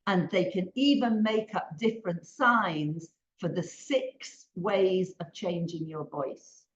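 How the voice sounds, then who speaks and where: An older woman training teachers, leading a slow, emphatic interactive drama exercise over a video call. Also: fairly low pitch, echoey room, highs cut off. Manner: slow, emphatic, leads call-and-response chants. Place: home room on a video call.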